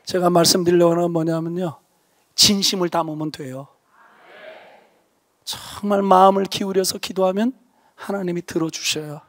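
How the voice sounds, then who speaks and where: Male pastor, high register, dry close sound; earnest testimony-driven revival preaching, sudden hushed emphasis. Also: fairly even intonation, normal speed, pauses often, no echo. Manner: earnest, emphatic storytelling, drops to a hush for stress. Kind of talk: revival sermon with personal testimony. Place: church revival meeting.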